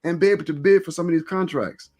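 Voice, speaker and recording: A man with a slightly high voice hosts a live stream in casual conversation. He talks informally and loosely, circling back over phrases as he plugs things. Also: fast, darkish tone. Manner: informal, rambling, repeats phrases. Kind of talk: casual interview chat with event plugs.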